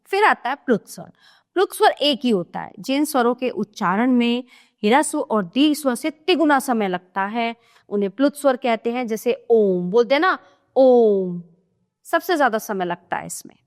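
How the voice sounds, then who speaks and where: A woman's voice: on the high side, lively intonation, normal speed. A woman teaching a grammar lesson, spelling out examples one by one and checking in with the listener as she explains.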